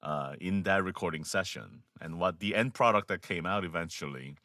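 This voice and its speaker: Low voiced guy w a korean accent, bright forceful tone, thoughtful and measured, lots of ums. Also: no room sound, studio quality. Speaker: voice actor guest. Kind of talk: reflective interview answers.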